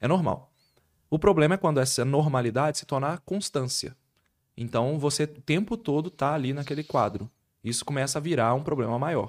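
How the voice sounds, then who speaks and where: With a plain, everyday voice, a man speaks at a fairly high pitch. His pace is moderate and his pitch varies in an ordinary way. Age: 30s. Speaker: biomedical scientist and science communicator. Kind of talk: casual interview.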